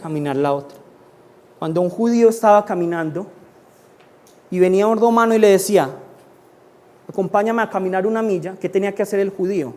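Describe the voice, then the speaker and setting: A man's voice: high-pitched, fast, long pauses, mellow. A man preaching a sermon, pleading and emphatic, with sudden rises and drops. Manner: emphatic preaching, rising in pleas and dropping in asides. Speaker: pastor.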